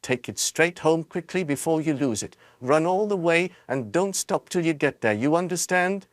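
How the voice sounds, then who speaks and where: A man voicing a stout shopkeeper who barks at a crowd and speaks gently to a boy. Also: fairly high pitch, animated, normal speed, no room sound, clean studio sound, natural voice. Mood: kindly. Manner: bossy then gentle. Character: gruff stout shopkeeper, kindly.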